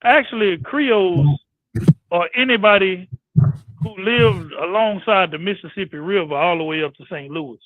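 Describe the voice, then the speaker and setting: A man's voice: sits high, moderate pace, no echo. A man on an online panel, chatting casually and explaining history with many restarts. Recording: tinny phone-line sound.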